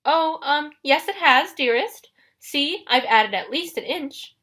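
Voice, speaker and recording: A nervous satyr pretending to be a dainty bride, played by a woman reading a storybook. The voice is a high, flirty falsetto, flustered and eager to placate. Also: animated, slow, sharp tone, heavily acted. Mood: nervous, placating.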